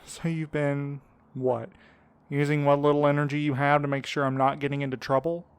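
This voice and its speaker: Audio drama partner, played by a man: fairly high, crisp voice, caring and nervous, earnest and hesitant. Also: little pitch movement, moderate pace, no room sound, lightly acted. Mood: earnest, guilty. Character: anxious, caring young man, devoted partner. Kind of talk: fiction podcast acting.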